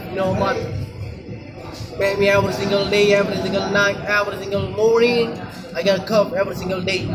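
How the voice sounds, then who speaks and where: High-pitched Indonesian man, halting and repetitive. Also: rough recording. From Indonesia, Aceh. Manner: halting, repetitive, frequent "you know" tags. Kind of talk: rambling casual monologue to camera. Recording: loud music behind the voice.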